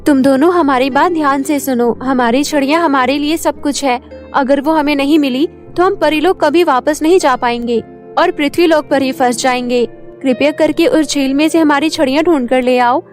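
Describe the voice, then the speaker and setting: A woman's voice: high-pitched, moderate pace, faint music behind, close to an everyday voice. A woman voicing an earnest, worried female fairy in a cartoon story. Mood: urgent pleading.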